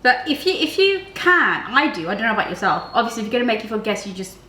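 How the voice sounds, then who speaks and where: A woman's voice: fairly high pitch, very animated, fast, pushed and bright, a little hiss or hum. Chatty woman in an echoey kitchen. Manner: chatty, uses "like" often. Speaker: cooking show host. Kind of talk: casual cooking chat. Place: home kitchen, indoors. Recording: roomy kitchen with faint ambience.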